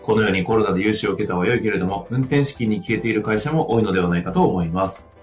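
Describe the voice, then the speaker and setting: A man's voice: lowish voice, soft background music. A man hosting a podcast, reading listener mail aloud and ribbing his co-host. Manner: quick, playful ribbing. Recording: dull echoey room.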